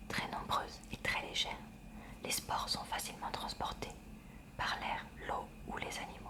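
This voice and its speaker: A woman reads a textbook aloud for ASMR in a breathy, unvoiced library whisper, hushed and careful. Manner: hushed, careful, measured reading. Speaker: ASMR reader. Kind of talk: soft ASMR read-aloud of a school science textbook.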